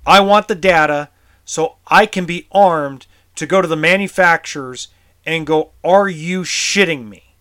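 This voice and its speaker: A man's voice: a little high, measured pace, bright, forceful tone, clear, resonant tone. A tense man ranting in a vlog as an RV service technician, frustrated and heated, swearing and stammering over repeated words. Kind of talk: vlog rant.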